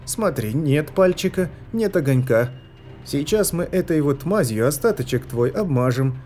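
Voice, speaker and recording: A man voicing a brisk woman healer in a storybook reading, hurried and firm. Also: a little high, animated, a little mellow, soft background music, voice pushed up. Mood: coaxing. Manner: hurried, coaxing, then commanding.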